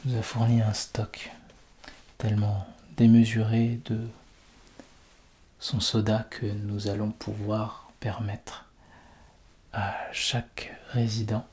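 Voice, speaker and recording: Soft, slow, low-voiced man, soothing ASMR. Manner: polite, formal, soothing, often drifting into whisper. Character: courteous, reassuring male vault shelter official welcoming a resident. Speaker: ASMR performer playing a fallout-shelter host. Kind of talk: soft-spoken ASMR roleplay.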